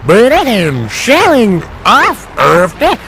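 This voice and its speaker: A man voicing a simple, cheerful tow truck in a game cutscene, folksy and bumbling, through a pitch-shifting voice changer. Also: huge pitch swings, slow, a bit bright, a little hiss or hum, exaggerated voice. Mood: eager, clueless. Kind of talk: animated game cutscene acting.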